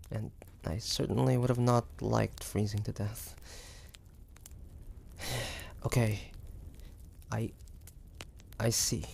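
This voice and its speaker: A man acts out a proud 1850s demon hunter in an intimate roleplay drama. His mid-pitched voice has a lot of gravelly fry. He speaks slowly and haltingly, with breathy sighs and a sardonic, guarded temper. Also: a little hiss or hum. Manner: halting, breathy sighs, indignant then grudging.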